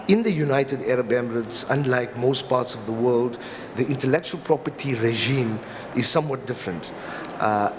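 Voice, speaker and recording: A company lawyer with a South African accent and a mid-range voice speaks as a summit panelist, giving an explanatory legal talk at a conference. He halts and hesitates, repeating words, in a reverberant hall with clear background noise.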